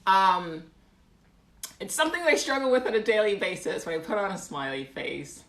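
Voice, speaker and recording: A woman's voice: mid-range voice, lively intonation, normal speed, fairly bright tone. A young woman chatting casually on a livestream in an amateur, put-on British accent, with a wry, self-deprecating manner. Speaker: live streamer. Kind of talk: casual livestream chat, reading out comments. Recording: roomy indoor echo.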